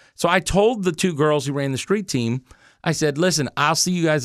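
This man's voice is fairly high-pitched, with ordinary pitch variation. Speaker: podcast host. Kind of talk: casual chat. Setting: in person, same room. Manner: animated.

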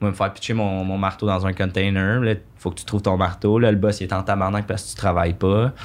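A man at a fairly low pitch, talking at a very fast pace in a monotone, flat delivery. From Quebec, Deux-Montagnes / Saint-Eustache. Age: 30s. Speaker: comedian and former construction worker. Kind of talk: casual chat.

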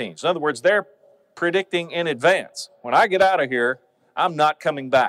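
With an ordinary speaking voice, a man talks at a moderate pace and a fairly high pitch, using ordinary pitch variation in a dry, close sound with no echo. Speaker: author and preacher. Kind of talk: interview about family worship.

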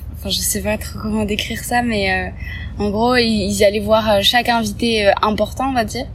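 There is audible room echo and noticeable background noise. Over it, a woman speaks at a moderate pace. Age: 20s. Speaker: traveller telling her story. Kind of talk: personal travel narrative. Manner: hesitant with many fillers.

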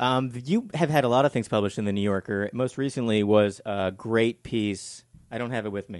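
A man in a normal speaking voice, medium in pitch with ordinary pitch variation, at a fairly quick pace. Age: 40s. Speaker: podcast host, humor magazine editor. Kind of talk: casual interview chat.

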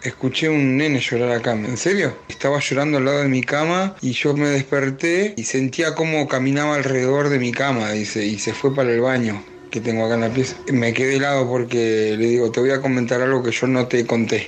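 This man speaks at a fairly quick pace with hardly any pauses, at a medium pitch with ordinary pitch variation and very even loudness. Noticeable background noise sits behind him. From Argentina, Río Negro. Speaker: caregiver, listener sending a story. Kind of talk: recorded personal story.

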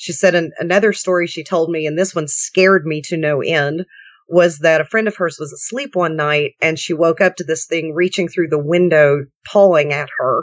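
At a moderate pace, a woman talks in a fairly low pitch with fairly even intonation. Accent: Appalachian. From West Virginia. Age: 50s. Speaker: paranormal investigator. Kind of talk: eyewitness account interview.

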